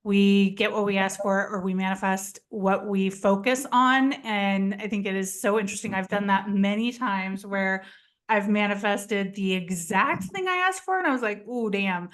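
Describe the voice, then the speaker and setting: A woman's voice: medium pitch, normal speed. A woman hosting an interview show, upbeat and chatty, asking questions with enthusiasm. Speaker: podcast host.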